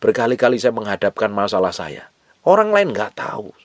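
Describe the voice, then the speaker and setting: A man with a very low voice preaches in an earnest, repetitive way. He swings from sudden loud bursts to soft, hushed asides. The recording is dry and close, with no room echo. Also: very animated, fairly quick. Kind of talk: sermon.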